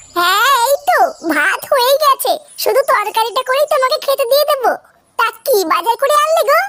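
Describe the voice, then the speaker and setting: A woman uses a cartoonish character voice, extremely high with lively intonation, at a moderate pace. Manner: shrill, abusive.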